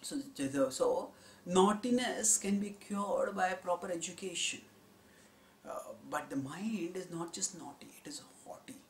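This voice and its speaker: A man giving a spiritual discourse on scripture, in a measured, explanatory teaching tone. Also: high-pitched, creaky, a little hiss or hum. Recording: roomy echo.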